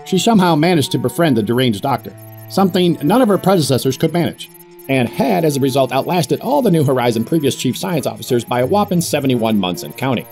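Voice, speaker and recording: An actor playing a wry, squeamish middle-aged corporate boss, narrating an audio drama in wordy, pompous style. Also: male voice, medium pitch, sing-song, quick pace, a little mellow, soft background music.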